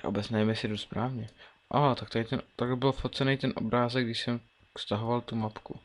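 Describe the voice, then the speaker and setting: This is relaxed Let's Play commentary from a young man in his late teens who mumbles and thinks aloud while playing, keys and mouse clicking behind him. He speaks in a steady mid-range voice over a little hiss or hum.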